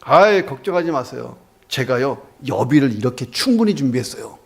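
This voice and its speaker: A man's voice: medium pitch, big pitch swings, moderate pace, vocal fry. A man voicing a complacent rich traveler who keeps brushing off warnings in a breezy, reassuring way, told as a story in a sermon. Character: complacent rich old traveler, cheerfully stubborn.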